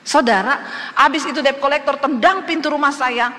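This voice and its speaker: A woman pastor with an Indonesian accent, preaching a sermon and telling a personal testimony in an expressive storytelling manner. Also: high voice, moderate pace. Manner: expressive, storytelling, lively swings in loudness. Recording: long reverb of a church hall.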